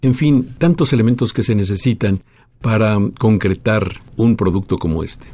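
A man hosting an interview, asking measured questions with small hesitations. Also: on the low side, mellow. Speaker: radio host.

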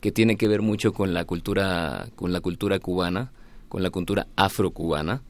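A man's voice: low voice, moderate pace, no room sound. A man speaking as an interviewed band leader, in casual, reflective talk, often searching for his words.

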